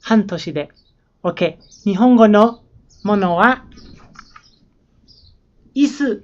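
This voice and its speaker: An American woman, a young adult whose first language is English, talks casually through a home vlog and names household words one by one in a plain, unhurried way. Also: mid-range voice, animated, darkish tone, highs cut off. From United States. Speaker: language learning vlogger. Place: her room and house.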